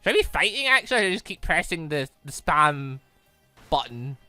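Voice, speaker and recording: Casual gaming host, animated pitch, dry close sound, thinking aloud, faint music underneath. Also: moderate pace, no echo. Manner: muttering game moves, thinking aloud. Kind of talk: casual let's play commentary.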